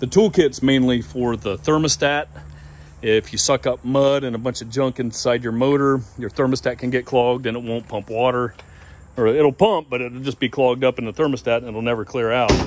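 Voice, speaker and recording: A man at a fairly quick pace, ordinary pitch variation, in a dry sound with no echo. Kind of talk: casual walk-around review. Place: garage. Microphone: phone near.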